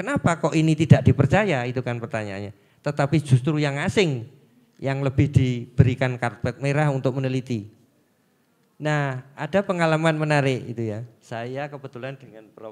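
A man with an unremarkable speaking voice, fairly high pitch, ordinary pitch variation, big swings in loudness, and a moderate pace, over a quiet background. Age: 60s. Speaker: law professor; guest lecturer, law professor. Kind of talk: lecture. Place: hall. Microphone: handheld.

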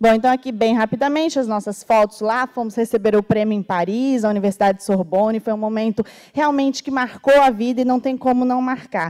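At a fairly quick pace with hardly any pauses, a woman speaks in a dark, mellow tone with a fairly high pitch and ordinary pitch variation against a quiet background. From Brazil, interior of Goiás (Formosa); Goiás, Brazil. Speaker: scientist and university researcher; presenter. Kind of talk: conference talk. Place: hall.

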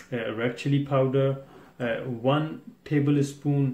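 With audible room echo, a man speaks very slowly in a dark, mellow tone. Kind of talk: tutorial. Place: kitchen.

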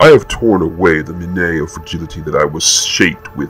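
There is clear music behind the voice. A man puts on a character voice. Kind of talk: villain monologue. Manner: proud, menacing, declamatory.

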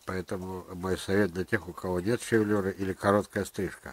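A man speaks with a very deep, low pitch at a moderate pace. His intonation stays monotone and flat. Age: 70s. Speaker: gardening video blogger. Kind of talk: personal storytelling with health advice. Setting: outdoors in the rain. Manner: rambling, conversational.

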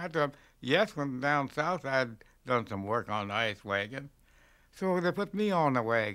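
The tone is bright and sharp, with a quiet background. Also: man. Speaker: interviewee. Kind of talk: interview answer. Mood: reflective, sometimes animated storytelling. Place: home room. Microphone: lapel.

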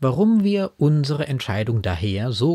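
Dark and mellow in tone and somewhat breathy, a man at a medium pitch makes very wide pitch swings, in a very clean recording with a silent background and a dry, close sound with no echo. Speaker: video commentator. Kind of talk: angry rant / opinion commentary. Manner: indignant, fuming, sharply sarcastic; formal, deliberate, elaborate wording.

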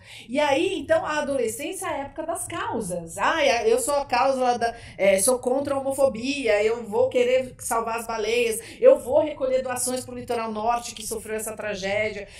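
The voice moves at a moderate pace with ordinary pitch variation and big swings in loudness. Room echo is audible. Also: woman, high pitch for a woman. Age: 50s. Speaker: speech therapist and parenting educator; parenting educator. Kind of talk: interview. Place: studio.

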